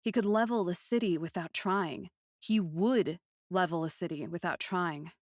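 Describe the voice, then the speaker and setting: A woman's voice: fairly low pitch, moderate pace, no room sound, studio quality, natural voice. A woman playing a grieving, passionate young captive princess who tells her own story in an intense, emotive, dramatic first-person style. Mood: wistful, tense.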